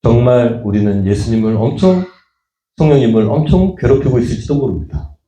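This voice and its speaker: A middle-aged man preaches a sermon as pastor, chatting with his congregation and slipping into the voices of the people in his examples. His tone is mellow and dark, and his pitch swings widely. The sound is roomy, as in a church hall. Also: big pitch swings, brisk. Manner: conversational preaching, acting out quoted voices with rising pitch. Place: church sanctuary. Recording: echoey church room.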